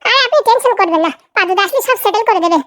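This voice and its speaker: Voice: very high-pitched, racing, a bit bright, no room sound, studio quality. A performer voicing a cheeky, eager young sidekick in a comedy cartoon, chattering in a colloquial way. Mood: casual. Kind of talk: comic cartoon dialogue.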